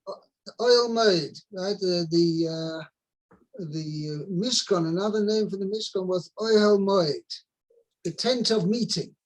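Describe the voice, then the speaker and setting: A man, a rabbi, explaining the weekly Torah portion over a video call, unhurried, searching for words and mixing in Hebrew terms. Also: high-pitched, poor audio.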